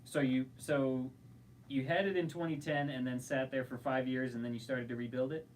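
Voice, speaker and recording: A talkative man co-hosts a relaxed livestream. His voice sits at an ordinary middle pitch, and he reads viewer comments out loud between bits of banter, with a faint hiss behind him. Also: normal speed. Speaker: livestream co-host reading viewer chat. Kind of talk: casual livestream chat.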